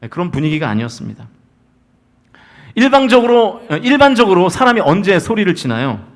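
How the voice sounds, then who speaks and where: Man, pastor, high voice, emphatic then hushed, Sunday sermon, church sanctuary. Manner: swings from emphatic loud calls to soft storytelling. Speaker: senior pastor.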